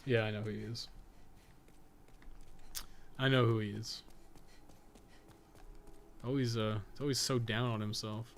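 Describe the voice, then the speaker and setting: A man's voice: fairly low pitch, steady tone, unhurried, pauses often, a little hiss or hum. A man streaming a game, thinking aloud and chatting in a casual, rambling way, muttering to himself and swearing now and then.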